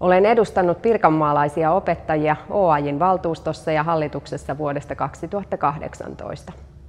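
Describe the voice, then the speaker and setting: With music in the background, a woman speaks at a moderate pace in a very deep, low pitch with ordinary pitch variation. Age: 40s. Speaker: teacher and candidate. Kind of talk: campaign video speech. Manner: formal.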